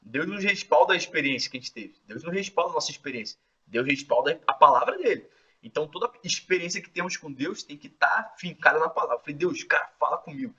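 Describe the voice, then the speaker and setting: Fast, bright-voiced man from Rio. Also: fairly high pitch, slightly rough. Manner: slangy, excitable, peppered with filler words. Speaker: host sharing his testimony. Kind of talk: casual spoken testimony. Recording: distant, dull lo-fi mic.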